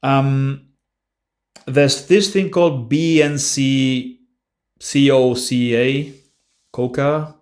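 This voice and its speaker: A man's voice: mid-range voice, steady tone, drawn-out words, long pauses, a little mellow. A man hosting a casual language-learning Q&A, answering viewer questions bluntly and offhandedly with frequent restarts. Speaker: language-learning channel host.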